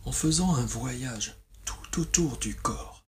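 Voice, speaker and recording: A man guides a relaxation meditation as a yoga nidra teacher, soothing and measured, with long pauses. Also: medium pitch, lively intonation, background noise.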